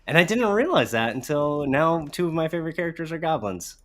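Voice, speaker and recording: A man's voice: on the high side, big pitch swings, a little fast. A man co-hosting a podcast, chatting in an informal and agreeable way. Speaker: podcast co-host. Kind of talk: casual chat.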